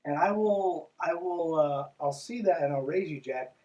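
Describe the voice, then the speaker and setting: A man's voice: a little high, a little slow, warm tone, far from the mic, dull audio. A man hosting a podcast, reading aloud and breaking in with mocking, irreverent, conversational asides. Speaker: podcast host.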